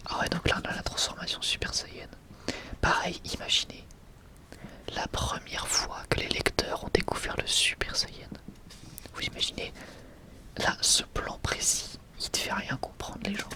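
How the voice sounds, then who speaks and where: A young adult man whispers in a casual, enthusiastic ASMR style, sometimes hesitating as he presents. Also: moderate pace. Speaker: ASMR video creator presenting a manga collection.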